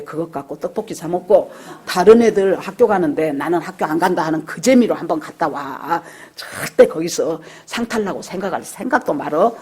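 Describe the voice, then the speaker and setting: A woman pastor delivers a Sunday sermon in a husky, slightly breathy voice. She preaches in a storytelling way and acts out the voices of the people in her stories. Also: deep voice, a little mellow. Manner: storytelling, acting out quoted dialogue. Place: church service.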